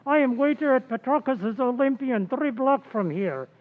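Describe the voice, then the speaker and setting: A man voicing an excitable Greek waiter in an old-time radio play, speaking emphatic broken English with a Greek accent. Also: very high-pitched, moderate pace. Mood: eager, insistent. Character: excitable Greek waiter, eager to tell police everything. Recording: thin, tinny radio-like sound.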